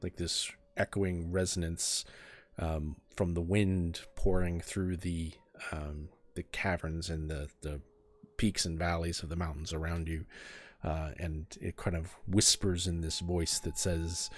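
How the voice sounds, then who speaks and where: A man narrating an online tabletop game as dungeon master, describing scenes haltingly with many ums. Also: sits low, level tone.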